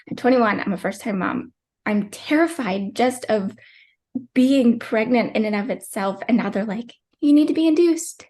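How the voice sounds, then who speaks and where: On a podcast, a young woman in her twenties recounts her personal birth story with a medium-pitched, slightly mellow voice. Her delivery is chatty and emotional, crowded with fillers and frequent "likes," and at times she grows tearful.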